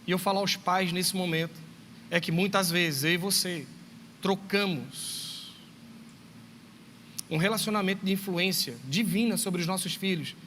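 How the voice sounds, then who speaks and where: A man preaches to his congregation in a high, bright, ringing voice, acting out little scenes of dialogue and calling out to his listeners. His voice carries a long reverb through the church hall. Faint noise sits underneath. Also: measured pace, pauses often. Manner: animated storytelling, acting out dialogue, addressing listeners directly. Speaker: pastor and schoolteacher. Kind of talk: sermon to a congregation. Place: church sanctuary.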